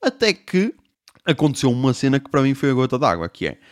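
A young man telling a comic story, animated, swearing and making sound effects. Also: mid-range voice, fast talker, no echo, clean studio sound. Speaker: podcast host.

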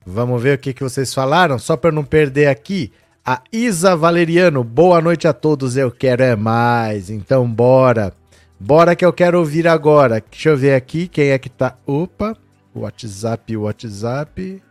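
A man's voice: mid-range voice, expressive, normal speed, dry recording. Guy hosting a live show, upbeat and teasing, dry close sound, light music under. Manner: upbeat, teasing, urges listeners on. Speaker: host of a live political show, called professor. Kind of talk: live show reading viewer messages.

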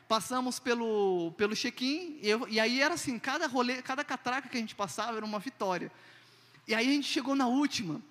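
A man, preaching in an animated, self-mocking storytelling style and acting out dialogue. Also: sits high, big-room sound. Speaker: preacher telling a testimony. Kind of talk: humorous sermon storytelling.

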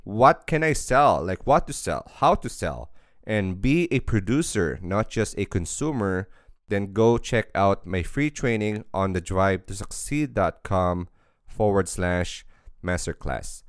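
A man hosts a podcast with an upbeat, emphatic pitch. His somewhat low voice comes across smooth and resonant, recorded dry and close with no room sound. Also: lively intonation, a little slow, no room sound. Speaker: podcast host. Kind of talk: promotional podcast intro and interview.

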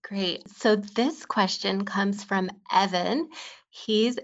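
A woman's voice: mid-range voice, slow pace, slight background noise. Woman host reading listener questions. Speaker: podcast host. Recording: dull, slightly lo-fi sound.

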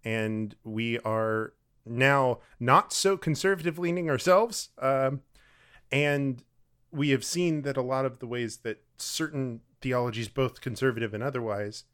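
A man's voice: medium pitch, unhurried, clear, resonant tone. Late-twenties man from Texas, podcast co-host, easygoing, rambling delivery with fillers. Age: 20s. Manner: relaxed, rambling, with fillers and light laughs. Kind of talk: casual podcast chat.

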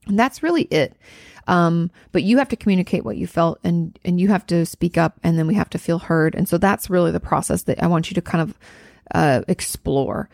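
A woman hosting a question-and-answer show, answering viewer letters in a gentle, reflective way, with many fillers and therapy terms. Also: fairly low pitch, fairly quick, vocal fry, dry recording, clean studio sound. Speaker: host answering viewer questions on mental health. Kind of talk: casual advice chat.

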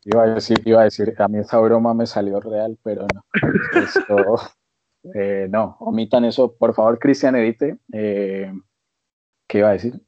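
A young Colombian man with a Colombian accent, a podcast co-host telling a casual story with lively quoted voices. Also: fairly low pitch, moderate pace, muffled recording. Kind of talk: casual chat.

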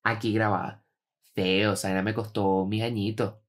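A young man with a Venezuelan accent telling stories in a relaxed, slang-heavy chat between two co-hosts. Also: lowish voice, a little slow. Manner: animated storyteller, heavy slang. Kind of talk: casual chat.

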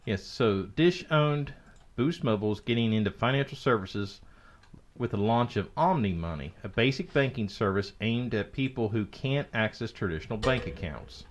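A man's voice: fairly low pitch, lively intonation, moderate pace. A man co-hosting a podcast, chatting casually about tech news in a sarcastic, joking way. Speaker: podcast co-host.

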